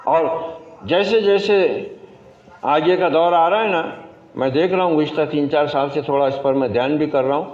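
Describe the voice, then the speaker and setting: A man's voice: on the high side, a little mellow. Man preaching in an echoey mosque. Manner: didactic, exasperated rhetorical asides; storytelling with a slow, emphatic cadence. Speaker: imam giving Friday sermon. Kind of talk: Friday sermon in Urdu. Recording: echoey mosque, dull lo-fi sound.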